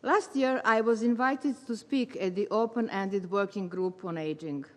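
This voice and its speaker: A woman, a retired English teacher giving a measured, formal prepared speech as a volunteer. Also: medium pitch. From Serbia. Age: 70s. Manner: measured, formal delivery with careful phrasing. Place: large meeting hall. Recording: long hall reverb.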